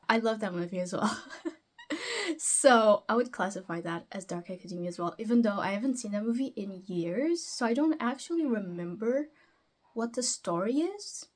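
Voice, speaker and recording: A young woman chats about books at home in a loose, rambling way. Her voice sits a little high. She keeps questioning herself aloud as she goes. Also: animated, normal speed. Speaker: book vlogger. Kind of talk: casual book vlog.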